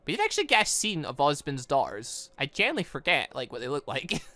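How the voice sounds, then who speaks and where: A man's voice: fairly high pitch, wildly swooping pitch, quick pace, pushed and bright, dry recording. A man giving casual gaming commentary in a rambling way, often interrupting his own sentences. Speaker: gaming channel host.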